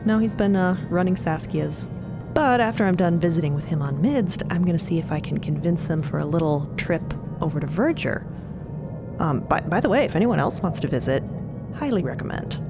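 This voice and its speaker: A woman acting an upbeat young space explorer in an audio drama, chatty and casual with a creaky voice. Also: fairly low pitch, animated, brisk. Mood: eager, fond. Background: music.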